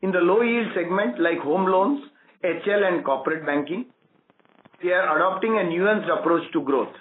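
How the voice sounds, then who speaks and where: A man with an Indian accent, a bank executive formally reading prepared results on an earnings conference call. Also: sits high. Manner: formal, measured corporate reading. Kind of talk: scripted earnings call presentation. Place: conference call over phone. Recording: tinny, roomy phone line with static.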